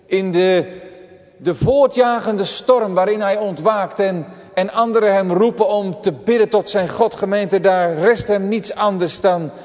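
A man preaching a sermon, his voice set a little high for a man and rising and falling with earnest force. The sound is dull and muffled, with a long church reverb trailing each phrase. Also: a little mellow. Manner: earnest, with dramatic swells and drops to near silence. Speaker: pastor.

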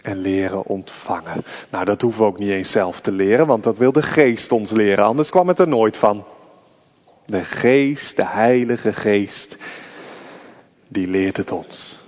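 A man preaching a sermon to his congregation, slow and solemn, rising at times into fervent emphasis. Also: on the low side, darkish tone. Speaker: pastor. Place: church. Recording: long church reverb, dull sound.

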